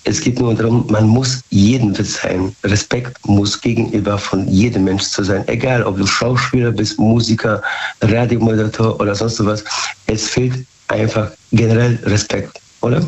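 Hoarse male caller, slightly low voice, muffled phone line. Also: steady tone, a little mellow. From Germany. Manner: halting, ungrammatical German, repeats "ja".

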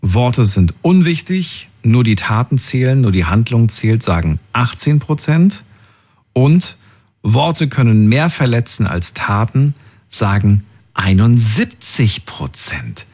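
Moderator mit lebhafter, belegter Stimme. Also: male voice, mid-range voice, big pitch swings, takes it slowly, darkish tone, breathy edge. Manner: reads out listener polls and messages. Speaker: radio call-in host. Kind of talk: late-night call-in radio show. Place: radio studio.

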